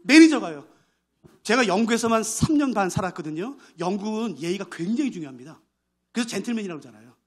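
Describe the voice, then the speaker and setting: A man's voice: high-pitched, very animated, fast, breathy edge. A male pastor preaching a sermon, telling a story with great animation and acting out its characters' voices.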